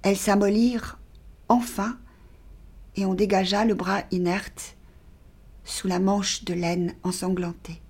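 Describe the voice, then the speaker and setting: Husky woman reading a grim tale. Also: medium pitch, little pitch movement, darkish tone. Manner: measured, dropping to a near-whisper in grim passages. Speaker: actress reading a short story. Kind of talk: dramatic literary reading.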